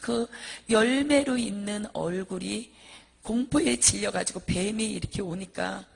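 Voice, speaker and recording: A woman's voice: mid-range voice, a little slow, gravelly, slightly rough, in a large hall. A woman giving a religious testimony, telling her vision in a vivid, emotional way. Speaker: church testimony speaker.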